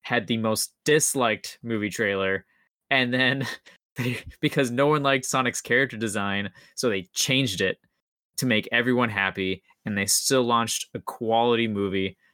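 A man's voice: medium pitch, measured pace, pushed and bright, clear, resonant tone, no room sound, studio quality. A man on a podcast panel chatting casually, thinking aloud and repeating his phrases as he works out a point. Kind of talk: casual chat.

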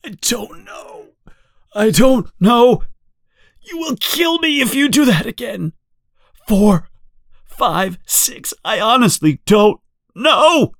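A man voicing a tortured grown man who pleads desperately through tears, his cries breaking into shouts. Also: sits high, very animated, extremely slow, long pauses, husky, pitched above the performer's own voice, heavily acted. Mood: panicked. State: crying. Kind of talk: audiobook character voice.

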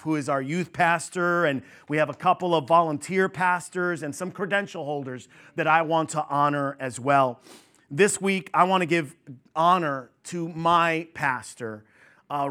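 A man's voice: on the high side, clean tone. A man in his fifties from New York, a pastor giving a conversational sermon to his congregation with chatty asides and fillers. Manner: conversational and warm-humored with the congregation, many fillers.

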